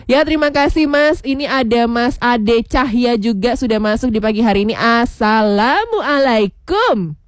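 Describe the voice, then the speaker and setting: A woman's voice: fairly high pitch, lively intonation, normal speed, dry recording, studio quality. A woman radio host, chatting casually on a morning show, laughing often and slipping into regional words, her voice a bit worn. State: voice worn from shouting. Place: radio studio.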